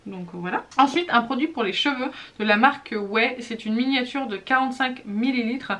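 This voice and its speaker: A woman's voice: a little high, normal speed, a bit bright. Woman, 30s, casual beauty vlogger; chatty, self-mocking, raised voice. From France. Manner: chatty and self-teasing, many fillers and restarts. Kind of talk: casual product review vlog.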